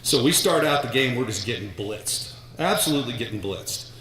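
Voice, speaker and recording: At moderate pace, a middle-aged man from the United States delivers a hall of fame acceptance speech in an animated, mid-range voice that is a bit bright. He tells rambling stories full of restarts and repeated words. The large hall gives the recording an echo.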